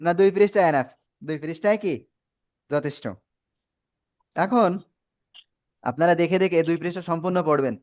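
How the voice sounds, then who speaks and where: A man's voice: on the high side, normal speed, pauses often, darkish tone. A man teaching a Quran reading class to children over a video call, patiently prompting pupils and praising their answers. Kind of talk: online class instruction.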